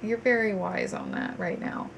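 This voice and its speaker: A woman's voice: mid-range voice, fairly even intonation, moderate pace, creaky, noisy background. A woman giving a chatty tarot reading to viewers, a bit stuffed up with a cold, with frequent ums and restarts. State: stuffy, congested. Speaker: tarot reader.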